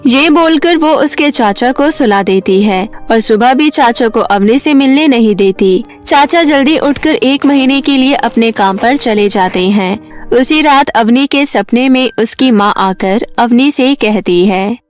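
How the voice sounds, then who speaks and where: A woman's voice: fairly high pitch, a little slow, faint music behind. A woman narrator reading a scripted children's story.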